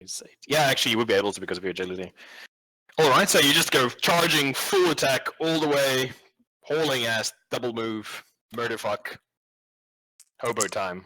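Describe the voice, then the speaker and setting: A man's voice: medium pitch, animated, fairly quick, pushed and bright, poor audio. A man acting as game master, improvising tabletop game narration in a casual, sweary, slangy way.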